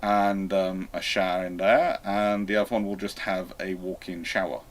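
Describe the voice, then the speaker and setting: A man with a fairly low voice hosts a casual live stream. He rambles chattily as he takes questions and talks them through. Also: flat delivery, moderate pace.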